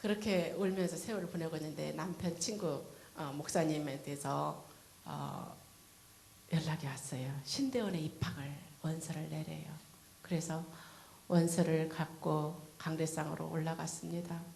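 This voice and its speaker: A woman's voice: low voice, steady tone, normal speed, gravelly, a little mellow. A woman in her fifties, an evangelist, giving an earnest, emotional testimony sermon in a church. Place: church sanctuary. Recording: echoey church hall with faint hiss.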